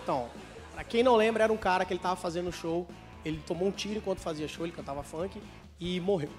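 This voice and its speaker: A man's voice: high voice, fast, faint music behind. A Brazilian man in his thirties with an Espírito Santo accent, telling stand-up stories and acting out both sides of the dialogues. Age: 30s. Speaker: stand-up comedian. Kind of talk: stand-up storytelling.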